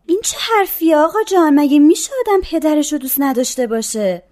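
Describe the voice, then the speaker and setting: An actress playing a gentle, tearful young daughter in a radio play. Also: female voice, high voice, lively intonation. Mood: tearful, tender. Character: tender young daughter, bride-to-be.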